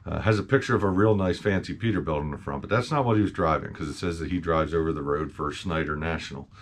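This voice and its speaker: A middle-aged man with a very low voice talks casually into a desk webcam. He hosts a trucking channel from a small home office and rambles, restarting sentences and filling pauses as he goes. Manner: rambling, many fillers and restarts. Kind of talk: casual commentary to camera.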